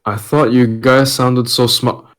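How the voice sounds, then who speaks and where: A man's voice: mid-range voice, little pitch movement, slow pace, fairly bright tone, clear, resonant tone. A man co-hosting in a casual chat, joking in a sarcastic and crude way.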